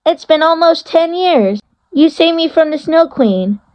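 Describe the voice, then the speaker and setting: A woman's voice: very high voice, lively intonation, a little slow, darkish tone, pitched above the performer's own voice. A woman voicing a sweet, friendly, earnest young heroine in an amateur fairy-tale game dub. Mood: glad, earnest. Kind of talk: amateur game fandub acting. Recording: dull, lo-fi audio.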